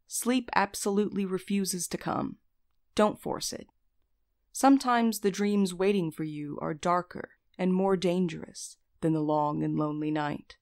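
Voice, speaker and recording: A woman playing a wry, guarded, sleep-deprived mail courier in an audio drama, speaking in a dry, weary way. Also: lowish voice. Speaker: lead actor in a fiction podcast. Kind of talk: naturalistic audio drama acting.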